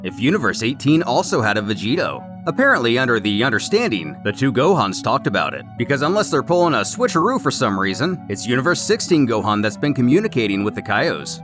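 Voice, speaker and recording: A man narrating a scripted story recap as the storyteller. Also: medium pitch. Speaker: narrator recapping a comic series.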